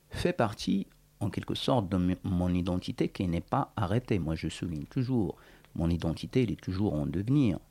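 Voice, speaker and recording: A man's voice: lowish voice, vocal fry, warm tone. A man in his forties from Morocco, a writer and guest in a radio interview, talking thoughtfully with many hesitations and restarts.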